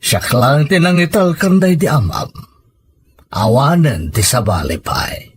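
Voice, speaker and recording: A man playing a grave, protective uncle in an audio drama, speaking in a solemn, measured, reassuring way. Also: a little high, expressive. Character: grave, protective uncle guarding a family secret. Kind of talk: emotional audio drama acting. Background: background music.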